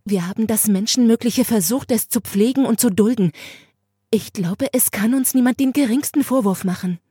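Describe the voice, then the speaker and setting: A woman's voice: on the high side, moderate pace, dark tone, husky, no room sound, studio quality, voice pushed up. A woman voicing a young sister who speaks urgently and tearfully in an audiobook reading, pleading and insistent. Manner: urgent, pleading, rising to cries.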